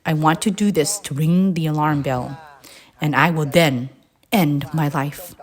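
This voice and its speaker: A woman with a husky, slightly low voice reads a prepared address aloud. Her pace is very slow and deliberate. She halts between short phrases, setting each one down separately. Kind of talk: scripted read-aloud narration.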